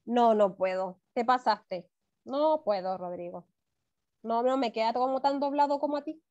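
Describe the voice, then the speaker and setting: A woman's voice: on the high side, lively intonation, moderate pace, a little mellow. A woman with a Chilean accent teaching a first-grade class online, affectionate and encouraging with her pupils. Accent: Chilean Spanish. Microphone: video call. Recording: dull lo-fi video call audio.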